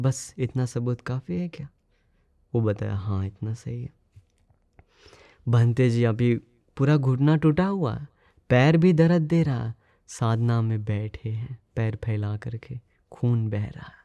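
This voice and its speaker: Male monk preacher, sermon storyteller, mellow low-bright tone, dry close sound, asks listeners rhetorical questions. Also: gravelly, no room sound.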